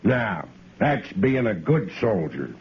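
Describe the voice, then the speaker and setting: An actor playing a sly, teasing army sergeant in a 1950s radio drama. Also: male voice, lowish voice, sing-song, slow, breathy edge, full character voice. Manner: teasing, slick. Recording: dull old radio broadcast recording.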